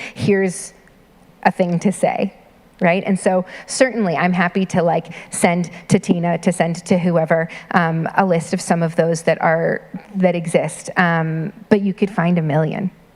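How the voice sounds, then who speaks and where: Here is a plain, everyday voice with an American accent. It moves at a fairly slow pace with fairly even intonation. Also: woman, fairly low pitch for a woman. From US, Denver, Colorado. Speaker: rabbi. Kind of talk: lecture Q&A.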